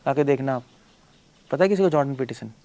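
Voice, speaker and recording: Male monk preacher, lecture voice, blunt and forceful, asks the audience question after question. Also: mid-range voice, expressive, quick pace. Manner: forceful, blunt, rhetorical questions, mixing in English.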